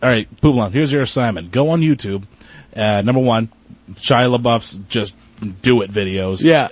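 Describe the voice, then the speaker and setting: A man with an ordinary speaking voice, medium in pitch, with ordinary pitch variation. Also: moderate pace. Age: 20s. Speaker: comedian. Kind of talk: casual chat. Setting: studio.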